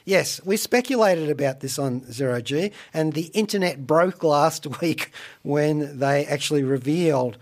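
Wry, playful male radio host. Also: on the high side. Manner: wry, playful, theatrical asides and deliberate phrasing. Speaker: radio show host and reviewer. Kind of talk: chatty radio commentary on pop culture. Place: radio studio.

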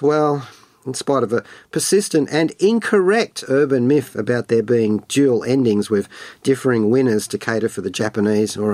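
A man's voice: medium pitch, a little mellow, dry recording. A man hosting a radio show, reading scripted film and music commentary in a playful, wordy, colloquial way.

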